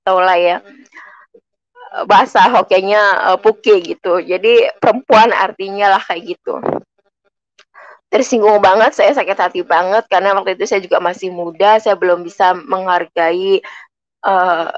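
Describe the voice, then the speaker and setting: A woman's voice: mid-range voice, lo-fi sound. A woman from Indonesia giving an earnest personal faith testimony, speaking to listeners as friends.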